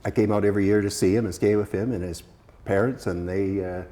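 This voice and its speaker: A man with a low, mellow voice answers a host's questions in a small TV studio. He speaks plainly and modestly, and he pauses often with hesitant fillers as he gathers his thoughts. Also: fairly even intonation. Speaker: volunteer camera operator, guest. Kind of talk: casual interview answers. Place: community TV studio.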